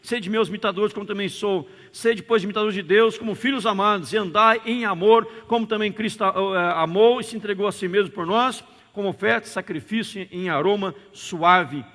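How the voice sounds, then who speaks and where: High, bright-voiced Brazilian pastor preaching. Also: male voice, moderate pace, hardly any pauses. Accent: Brazilian Portuguese. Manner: emphatic, repeats key words, calls out for amens. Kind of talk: sermon. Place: church sanctuary. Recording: reverberant church hall.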